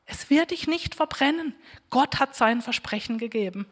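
A woman giving an earnest sermon, reading scripture aloud slowly and exhorting her listeners. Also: a little high, expressive. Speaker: preacher. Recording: long hall reverb.

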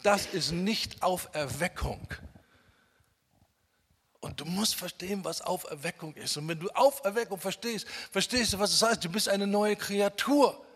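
Man, preacher, emphatic sermon, slightly high, husky, long reverb. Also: measured pace. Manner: emphatic, rhetorical questions, shifts between loud and quiet.

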